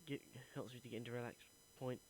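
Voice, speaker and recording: A man's voice: mid-range voice, steady tone, fast, a little mellow, slight background noise, rough recording. A young man, an acting student, earnestly recording a reflective voice diary and thinking aloud as he goes.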